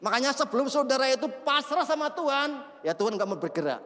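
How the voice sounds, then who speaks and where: A male pastor preaching an animated sermon full of stories, acting out shouted prayers and laughing at himself. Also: very high voice, fast talker. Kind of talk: sermon with storytelling. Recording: long reverb of a large hall.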